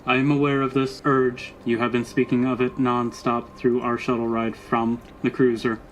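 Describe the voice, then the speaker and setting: A man voicing a loyal, literal-minded robot bodyguard in a tabletop roleplay, speaking in stilted, halting, formal phrases. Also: medium pitch, flat delivery, slight background noise, close to an everyday voice, poor audio. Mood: measured, stilted.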